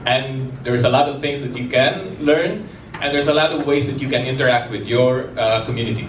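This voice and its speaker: A man's voice: medium pitch, fairly even intonation, moderate pace, dull audio, a little hiss or hum. A man from a gaming channel team giving a casual introduction on a panel. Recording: echoey hall from far off.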